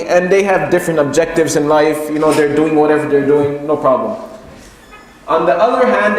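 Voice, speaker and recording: A man giving a sermon as a Muslim preacher, teaching in a didactic way with repeated phrases and rhetorical questions for emphasis. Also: high voice. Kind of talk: sermon, lecture to a congregation. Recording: very echoey hall with long reverb.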